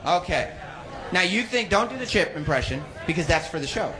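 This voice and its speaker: A man working as a warm-up host on stage, bantering casually and teasing the people around him. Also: high-pitched, animated, brisk. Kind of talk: live crowd hosting, casual banter. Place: stage at a live event. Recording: live venue with crowd noise. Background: audience noise.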